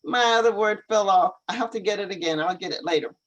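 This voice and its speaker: A woman hosting a live online English lesson, speaking carefully and encouragingly with clear articulation. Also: medium pitch, fast talker.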